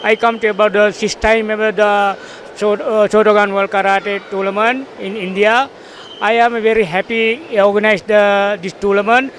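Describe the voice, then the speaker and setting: A man's voice: high voice, flat delivery, moderate pace, a bit bright. A man from Sri Lanka, a karate tournament organizer, speaking broken English with many fillers. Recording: faint outdoor street noise.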